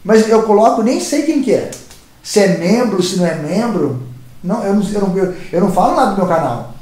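A man's voice: high voice, sing-song, fairly quick, mellow. A man with a Brazilian Portuguese accent, hosting his channel and telling stories in a rambling, casual way, often repeating and restarting words. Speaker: YouTube channel host. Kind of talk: casual storytelling monologue. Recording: roomy echoey sound.

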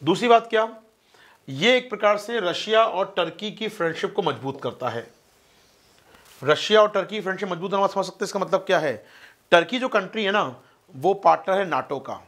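A fast-talking man teaching an online exam-prep class, his voice sitting fairly high. He keeps asking his listeners questions and answering them himself, and he calls them his friends. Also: expressive, fairly bright tone. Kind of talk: online lecture explaining a map.

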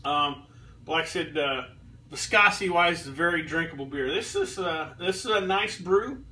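A man in his thirties talks through a beer tasting in his kitchen. His voice is fairly high and bright, and he rambles with frequent ums and restarts. The camera mic sits a few feet off, so he sounds a little distant. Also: lively intonation, normal speed. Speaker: beer reviewer and home brewer. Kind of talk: casual beer review vlog. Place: home kitchen, indoors. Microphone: fixed camera a few feet away.

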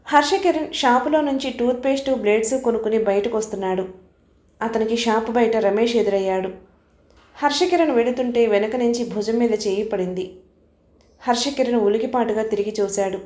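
Woman, audiobook narrator, novel reading, expressive, roomy echo. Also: on the high side, moderate pace.

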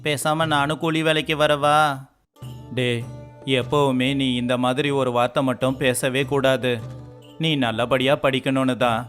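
A man voicing every male figure in a cartoon village story, in an even, scripted delivery. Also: mid-range voice. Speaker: voice actor for all male figures. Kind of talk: scripted dialogue of an animated moral story. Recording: faint music underneath.

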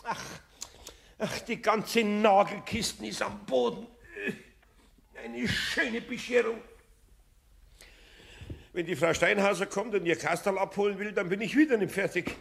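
A man's voice: high-pitched, unhurried, gravelly, pauses often, a bit bright, a little hiss or hum, heavily acted. A man playing a grumbling but good-natured older master carpenter with a Bavarian accent in an audio drama. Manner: muttering to himself, exclaiming.

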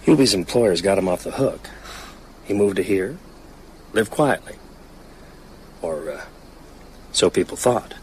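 A man's voice: sits low, expressive, unhurried, pauses often, a little mellow, a little hiss or hum, rough recording. An actor playing a haunted, reflective male novelist in a radio drama, talking hesitantly as he confides. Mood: grave, storytelling. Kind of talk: naturalistic radio drama dialogue.

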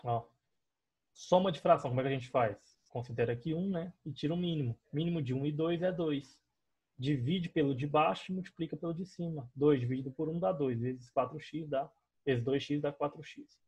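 A young man with a Brazilian accent teaches a math lesson over a screen recording. His voice sits a little high and sounds husky. He moves through each step patiently and keeps checking in with his students. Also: fairly quick, a little mellow. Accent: Brazilian Portuguese. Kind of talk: online math class explaining on a digital board.

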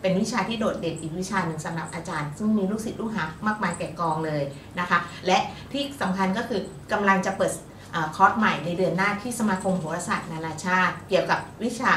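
Chatty Thai-speaking woman, bright tone, echoey. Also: fairly low pitch, far from the mic, slight background noise. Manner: chatty, upbeat, quick to laugh. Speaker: astrologer co-host. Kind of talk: casual chat. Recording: echoey room, voice from off-mic.

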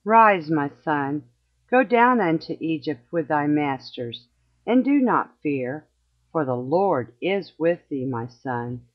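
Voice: mid-range voice, big pitch swings, takes it slowly. A reader voicing a dead mother who answers her son from beneath the ground, consoling him in archaic speech. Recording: slightly muffled lo-fi recording.

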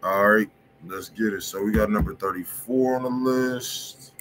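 Reviewing tracks on a livestream, a man with a fairly low, slightly bright voice talks in a loose, laid-back way, full of slang, and keeps checking in with "you feel me." He's the host of a music review show, seated at a desk in a home studio, with a faint hiss of room noise beneath him.

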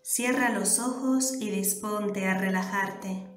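A woman with a Canary Islands Spanish accent guiding a meditation, giving soft, calm instructions with long pauses. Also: mid-range voice. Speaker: meditation guide. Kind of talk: guided meditation. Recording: roomy echo with soft music behind. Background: soft background music.

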